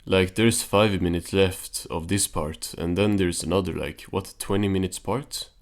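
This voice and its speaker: Male recap host, deep voice, casual, understated commentary, offhand remarks. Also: steady tone, a little slow.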